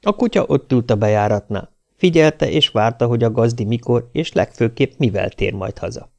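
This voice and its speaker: A man narrating a short story as an audiobook reader, telling it in a lively way. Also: medium pitch, vocal fry.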